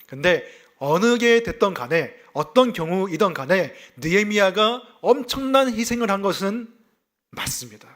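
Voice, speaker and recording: This man, a pastor from South Gyeongsang in South Korea, delivers a sermon at a moderate pace in a fairly high voice whose lively intonation rises and falls. Explaining a passage of scripture, he weaves in personal anecdotes and puts rhetorical questions to his listeners.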